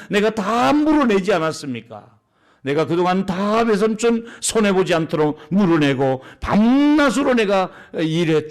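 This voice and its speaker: A pastor acting out Jacob, a man who feels cheated, with his grievances spilling out in question after question. The voice sits high for a man. It carries the tone of a bitter complaint told in a sermon. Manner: indignant, rapid run of rhetorical questions. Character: aggrieved Jacob, grown man protesting years of unfair treatment.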